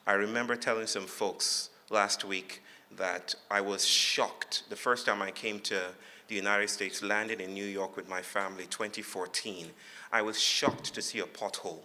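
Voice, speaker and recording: A man from Nigeria with a Nigerian accent gives a public talk, reflective and playful, telling stories in measured phrases with dramatic pauses. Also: fairly low pitch, steady tone, pushed and bright. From Lagos, Nigeria. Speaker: guest speaker giving a lecture. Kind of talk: public talk, storytelling with humour. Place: large hall before an audience. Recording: echoey hall with long reverb.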